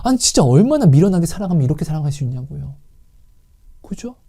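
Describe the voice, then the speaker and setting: Animated, impassioned woman preacher. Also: sits low, quick pace, slightly rough. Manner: emotional, exclaiming, acts out biblical quotes. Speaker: preacher sharing testimony. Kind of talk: impassioned sermon storytelling.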